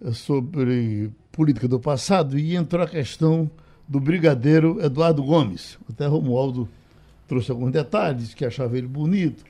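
A man with a Brazilian accent hosting a radio show, talking casually and haltingly as he tells anecdotes and reads a note. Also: medium pitch, mellow. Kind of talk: casual talk, reading a note aloud.

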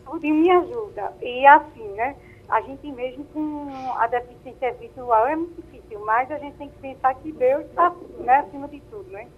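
A woman's voice: high-pitched, normal speed, husky. A woman calling in to a radio show over a landline phone. She talks casually and often tags phrases with a questioning "né?". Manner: soft-spoken, often ends phrases with a questioning "né?". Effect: heard over a landline phone. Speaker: caller. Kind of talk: casual call-in chat. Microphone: telephone handset. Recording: tinny, narrowband phone line.

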